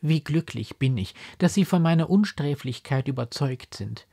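A man's voice: a little high, lively intonation, moderate pace, creaky, mellow, slightly rough, voice pushed up, full character voice. A man reading the part of a young noblewoman in a classic audiobook, with agitated, exclaiming speech. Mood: distraught. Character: young noble lady, bewildered and distraught.

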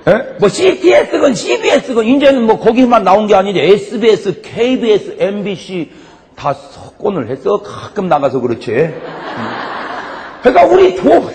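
A man preaching in a large church hall, his lively, swooping voice riding a long reverb. He tells stories with laughter and bursts into punchlines. A faint hiss sits under the recording. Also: high voice, moderate pace. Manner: animated storytelling with frequent laughs and shouted punchlines. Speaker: pastor. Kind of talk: humorous revival sermon.

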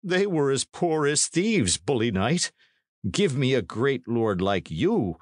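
A man's voice: mid-range voice, sing-song, slow, no echo, studio quality, pitched above the performer's own voice. A man voicing an ingratiating innkeeper in a storybook, earnestly protesting his loyalty in fawning, archaic speech.

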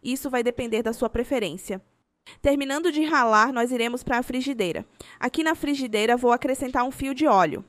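A woman's voice: a little high, fairly quick, no echo. A woman with a Brazilian Portuguese accent, reading a scripted recipe voice-over as host.

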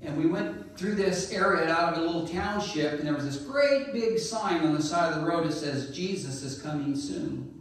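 Loud folksy man in an echoey hall. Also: fairly high pitch, normal speed, few pauses, a little hiss or hum. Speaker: church speaker. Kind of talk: informal sermon talk. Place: church sanctuary. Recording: echoey church hall, distant mic.

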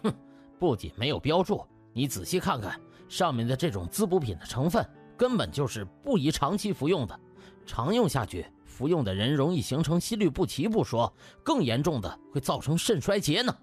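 Man voicing an indignant young male doctor, swinging pitch. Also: big pitch swings, normal speed, faint music behind. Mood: angry. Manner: forceful, emphatic, aggrieved.

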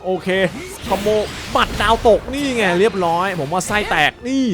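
A man, commentating a fighting game with excitement, yelling and repeating words as he plays. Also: high-pitched, moderate pace. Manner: animated, yells and repeats words during fights. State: slight sore throat. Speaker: gameplay commentator. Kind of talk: excited Let's Play commentary. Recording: game music playing loudly behind.

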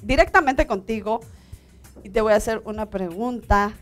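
A woman from Mexico in her thirties hosts a small studio talk show. Her voice sits a little high, and she keeps a friendly, chatty tone with frequent laughter. Faint music plays in the background. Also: moderate pace. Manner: laughs often, warm and chatty.

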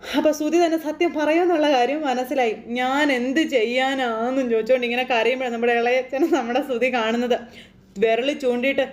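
High-pitched woman from kerala rattling off a soap recap, chatty, quick. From Kerala, India. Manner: animated, chatty, tag questions. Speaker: serial recap narrator. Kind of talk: casual plot retelling.

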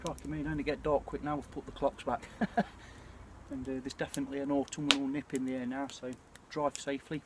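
A British man in his forties chatting casually and reflectively to camera, with a hesitant, throat-clearing delivery. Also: medium pitch, flat delivery, fast. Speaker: bushcraft vlogger. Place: outdoors at night by a small campfire. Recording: clear ambient noise of an outdoor campfire.

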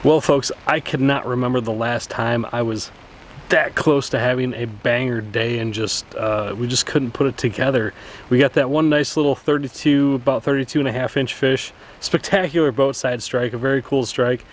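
A man's voice: mid-range voice, moderate pace, a little hiss or hum. Chatty man vlogging outdoors at night. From Wisconsin. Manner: relaxed, chatty, plenty of "uh" and "so". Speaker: fishing channel host. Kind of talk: casual vlog talk to camera. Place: outdoors at night beside a car.

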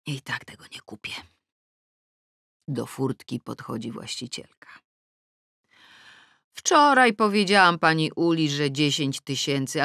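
A middle-aged woman narrates a first-person novel as an audiobook, slow and deliberate, with a wry, ironic edge. Her voice is close and dry, recorded in a studio with no room sound. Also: low voice, no echo. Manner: lively, ironic storytelling, rising to exasperation. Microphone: close studio mic.

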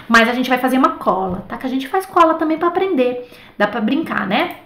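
A woman's voice: high-pitched, brisk, roomy sound. A Brazilian woman giving a casual, chatty online French lesson, peppering her talk with little fillers. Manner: chatty, animated, many fillers like tá and né. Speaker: French teacher.

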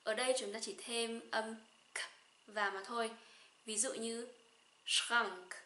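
A young woman from Vietnam with a Northern Vietnamese accent, teaching a slow pronunciation lesson and saying each example word twice. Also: fairly high pitch, flat delivery, fairly bright tone, roomy sound. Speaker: German teacher.

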